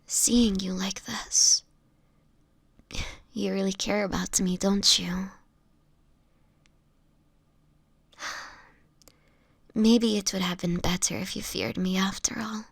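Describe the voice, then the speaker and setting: A woman playing a sickly, gentle, anguished vampire in an intimate audio roleplay, speaking in a breathy, often whispered voice with tender, halting, formal phrasing. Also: medium pitch, fairly even intonation, dry recording. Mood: tender, soothing. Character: sickly homeless young female vampire, gentle, anguished, self-sacrificing.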